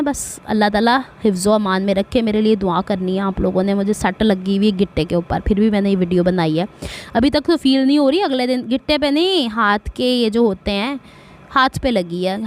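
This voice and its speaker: A middle-aged woman from Pakistan with a Punjabi accent, giving a chatty sewing tutorial and wandering into asides and blessings. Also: fairly high pitch. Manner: speaks slowly on purpose. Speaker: sewing vlogger.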